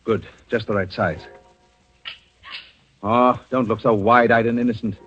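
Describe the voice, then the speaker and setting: A man's voice: mid-range voice, steady tone, a little slow, soft background music, natural voice. A man playing a cold, scheming husband in a 1940s radio drama, giving clipped, menacing orders on a dull old broadcast recording. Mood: cold menace.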